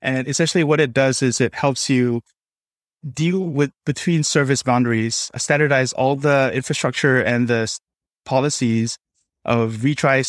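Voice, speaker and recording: A man's voice: medium pitch, no room sound. Man with a dry, close-sounding voice. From Singapore. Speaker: podcast guest, developer experience lead. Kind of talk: conversational interview, explaining tech.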